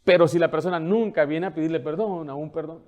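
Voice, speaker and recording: A male pastor preaching a sermon. He asks questions and answers them himself, slows down to read scripture, and moves between soft asides and loud, urgent appeals. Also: a little high. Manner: swings from soft asides to loud, pressing exhortation.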